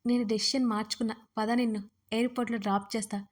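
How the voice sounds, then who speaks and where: A stern young husband hands out curt orders and flat refusals in a romance audio story, read by a woman. His lines come a touch loud and stay level, with little rise or fall. He sounds commanding and clipped. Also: a little high, rapid-fire, lightly acted.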